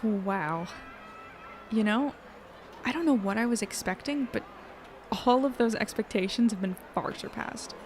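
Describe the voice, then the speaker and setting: A woman's voice: a little high, expressive, measured pace, long pauses, darkish tone, slight background noise. An actress playing a friendly, talkative, wry young woman in a naturally acted audio drama. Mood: amazed.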